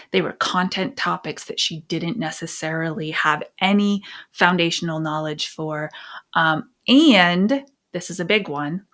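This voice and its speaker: A middle-aged American woman sharing personal stories and parenting advice as a podcast host, phrasing things emphatically with deliberate pauses. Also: fairly low pitch, a bit bright. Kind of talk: conversational advice and personal storytelling.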